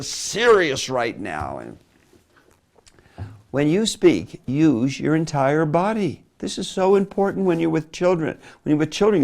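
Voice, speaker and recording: A man giving a teaching lecture on preaching delivery, animated and demonstrative, dropping from loud emphasis to hushed asides. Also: medium pitch. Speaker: Bible teacher.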